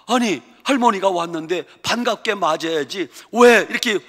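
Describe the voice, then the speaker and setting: A man's voice: sits high, normal speed, pushed and bright. A man voicing a polite, puzzled angel questioning an old man in a sermon story. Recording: long church hall reverb.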